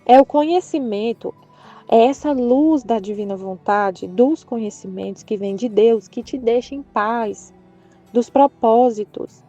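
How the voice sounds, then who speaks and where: A Brazilian woman with a fairly high voice speaks earnestly about her faith, searching for words and circling back as she goes. The sound is dull and lo-fi, with soft music under her voice. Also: a little slow. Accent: Brazilian Portuguese. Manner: earnest, rambling, with frequent restarts and hesitations. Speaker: Catholic channel presenter. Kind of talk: personal spiritual reflection.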